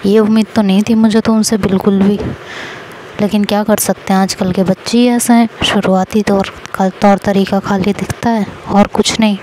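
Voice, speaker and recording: A woman's voice: mid-range voice, flat delivery, normal speed, dark tone, a little hiss or hum, close to an everyday voice, low-quality recording. A woman storyteller voicing a teasing, doting middle-aged mother-in-law who scolds and then fusses. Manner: scolding then fussing, affectionate.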